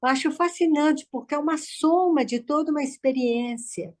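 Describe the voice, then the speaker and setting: A woman with a Brazilian accent speaks in a somewhat high register. She takes part in an informal discussion, putting questions to others and offering reflective comments in a conversational style. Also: normal speed. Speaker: participant questioning and commenting to guests.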